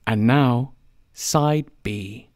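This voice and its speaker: A man's voice: medium pitch, very slow, a little mellow, dry recording, clean studio sound. A man hosting a podcast, reading a scripted sponsor message in a casual, chatty, conversational way.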